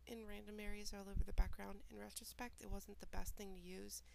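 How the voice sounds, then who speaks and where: A woman with a stuffy, nasal cold, calmly talking through the steps of a craft tutorial in a voiceover. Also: medium pitch, fairly quick, vocal fry, slight background noise. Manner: relaxed, plain step-by-step explaining with small asides. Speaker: mixed media artist. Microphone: home voiceover recording.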